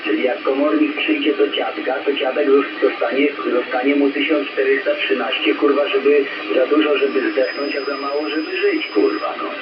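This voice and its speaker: A man's voice comes through a CB radio, muffled and distant, with an echoey ring and loud music running underneath. He rants in a bitter, sneering tone and curses constantly. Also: medium pitch, level tone, brisk, very noisy. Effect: transmitted over CB radio. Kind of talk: angry rant.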